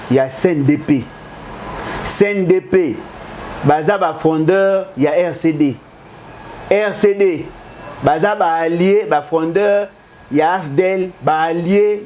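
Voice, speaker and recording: A political commentator with a somewhat high, slightly mellow voice argues heatedly over politics, lecturing and insisting no one can contradict him. He switches back and forth between French and Lingala, and there is a little background noise.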